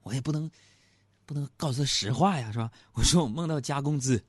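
A man's voice: medium pitch, fast. A middle-aged man, hosting a comic storytelling monologue. He is chatty and teasing and keeps asking his audience rhetorical questions. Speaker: comedy talk show host.

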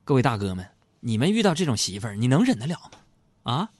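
Jokey radio host, lively voice. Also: male voice, mid-range voice, fast, slightly rough, dry recording. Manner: jokey, chatty, addresses listeners directly. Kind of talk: comedic storytelling talk show.

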